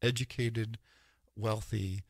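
A man talking through ideas in a rambling, animated lecture style, often tagging points with "right?" and asides. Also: fairly low pitch, slow, dry recording, clean studio sound. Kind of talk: casual lecture-style talk.

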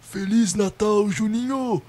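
A man's voice: sits high, slow, noisy background. A man voicing a jolly, scheming old Santa Claus with a Brazilian accent and a grandiose manner in a comedic radio play. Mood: jolly, grand. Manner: grandiose, theatrical.

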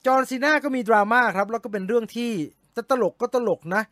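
A man hosting a casual movie news recap, chatty and given to sudden excited exclamations. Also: very high-pitched, fast, no echo, studio quality. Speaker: movie news show host.

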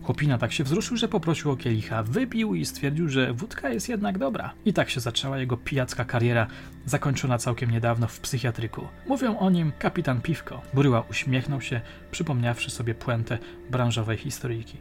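A man narrates a crime audiobook in a measured, dramatic storyteller's voice. His pitch sits in an ordinary middle range. Quiet music runs faintly behind him. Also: expressive. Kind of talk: audiobook reading.

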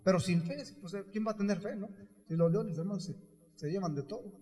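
A man preaching a sermon to his congregation, retelling a story with acted quotes, calling them brothers again and again, and building up to shouts. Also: high voice, fairly quick. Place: church. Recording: echoey hall with long reverb.

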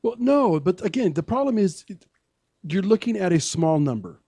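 A man's voice: high voice, very animated, warm tone, husky, dry recording, clean studio sound. A man co-hosting a talk radio show, explaining and arguing his political points at length. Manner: explaining, argumentative, measured. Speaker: co-host.

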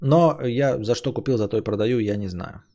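In a casual livestream, a man hosting a podcast stream reads out donations in a medium-pitched, dark voice at normal speed. He rambles with frequent hesitations and swears bluntly.

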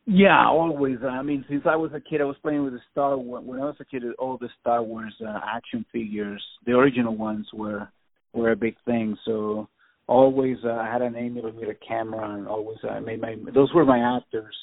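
A man in his forties gives relaxed, reflective interview answers, pausing often as he thinks back. His voice has a gravelly edge. The sound is tinny and dry, like a phone call. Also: mid-range voice, no echo. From Venezuela. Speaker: film director guest.

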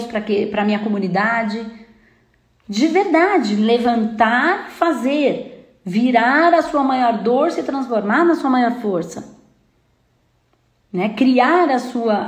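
Brazilian woman, emphatic spiritual speaker, slightly high voice, roomy echo. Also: a little mellow. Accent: Brazilian Portuguese. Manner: emphatic, frequent "né?" and "tá?" checks, mimics complainers. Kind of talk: spiritual self-help talk.

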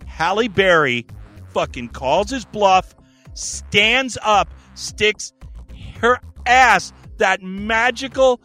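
A man hosting a podcast, telling stories in a profane, animated casual chat. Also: sits high, drawn-out words, no echo, faint music behind. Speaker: podcast host.

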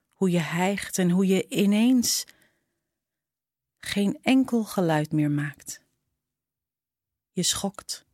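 Female narrator, lowish voice, unhurried intimate read, dry studio sound. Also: a little mellow, no echo. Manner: slow, intimate reading. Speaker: narrator reading a short story. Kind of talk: scripted storytelling.

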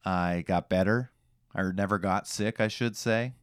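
A man's voice: lowish voice, a little slow, clean tone, no echo. A man co-hosting a podcast in casual chat, with a playful, dry joking manner. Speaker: podcast co-host.

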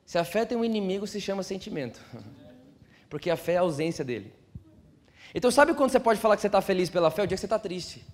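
A young man preaching a sermon, animated, acting out quoted voices and asking the congregation questions. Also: fairly high pitch, big-room sound.

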